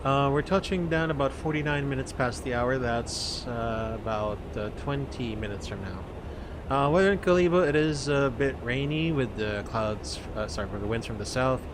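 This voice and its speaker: A man speaking as a pilot on a cockpit headset mic, making radio calls and a relaxed airline cabin announcement with frequent fillers. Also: medium pitch. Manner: relaxed, chatty, pausing with fillers. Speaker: virtual airline pilot on a flight simulator. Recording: steady loud background noise.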